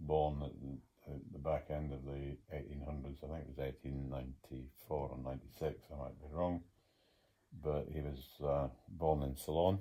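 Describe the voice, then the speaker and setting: The speaker moves at a moderate pace with fairly even intonation. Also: man, very deep, low pitch for a man. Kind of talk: oral history interview answer.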